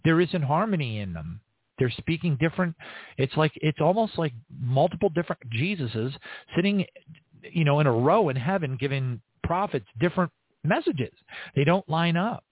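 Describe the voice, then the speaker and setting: A man leading a spontaneous spoken prayer, earnest and halting, with frequent restarts. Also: on the high side, no room sound. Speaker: prayer leader. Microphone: online stream. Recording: tinny phone-like line, dry.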